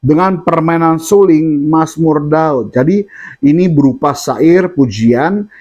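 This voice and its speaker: A man's voice: fairly high pitch, slow pace, a little mellow. Preacher man with a dull lo-fi sound. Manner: addresses listeners as "saudara" often, with fillers and restarts. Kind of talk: sermon.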